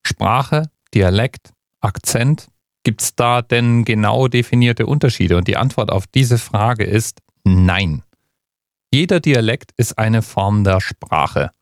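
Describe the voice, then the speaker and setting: Male host from Bavaria, lower voice, casual explainer delivery, dry. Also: no room sound. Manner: conversational, explanatory. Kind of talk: scripted explainer narration.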